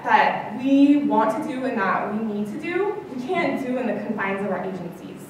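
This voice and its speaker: A woman's voice: a little high, a little hiss or hum. A young woman giving an earnest, conversational conference speech to a large hall. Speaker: conference keynote speaker. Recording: echoey hall from far off.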